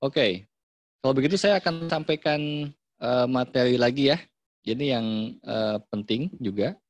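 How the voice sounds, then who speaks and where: A relaxed man with an Indonesian accent talks through parenting tips in a casual online session. His voice sits at a middle pitch, and he slips into the lines of parents and children as he goes. The sound is dry and close. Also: measured pace, no echo. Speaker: parenting workshop speaker.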